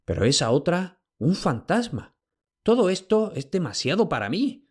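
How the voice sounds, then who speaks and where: A man voicing a proud Greek king who barks orders and blusters with quick anger. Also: sits high, sing-song, a little mellow, husky, pitched above the performer's own voice, exaggerated voice. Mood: boastful. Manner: commanding, blustering.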